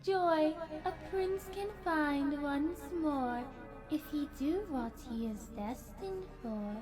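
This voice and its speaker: Slow, high chanting witch played by an actress. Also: rough recording. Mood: ominous, prophetic. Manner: incantatory, measured rhyming delivery. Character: ominous witch chanting a rhyming prophecy. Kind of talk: audio drama acting. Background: music.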